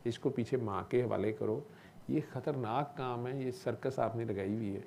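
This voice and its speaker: Man, mellow low-key voice, casual storytelling, faint background hiss. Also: gravelly. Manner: relaxed conversational, often asks "okay?". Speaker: doctor.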